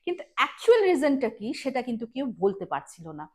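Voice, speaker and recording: A woman storyteller with a fairly high voice and a very quick pace. She tells ghost stories in an informal, chatty way, speaking straight to her listeners as a show host and slipping English words into her sentences. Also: very animated, darkish tone.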